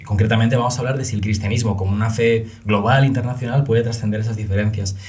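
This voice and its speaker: A young man from Spain with a Spanish accent, hosting a podcast interview in a measured, friendly way. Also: fairly low pitch, steady tone, darkish tone. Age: young adult. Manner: friendly, measured, frequent fillers. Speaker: podcast host. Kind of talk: conversational interview.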